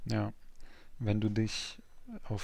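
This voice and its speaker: The man's intonation stays monotone and flat throughout. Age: 20s. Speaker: podcast co-host. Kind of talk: casual chat.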